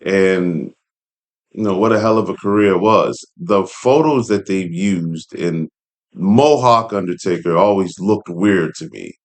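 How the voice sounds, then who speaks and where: Low-pitched man hosting a commentary. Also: unhurried. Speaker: host reading an article aloud with commentary. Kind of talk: casual commentary with read-along asides.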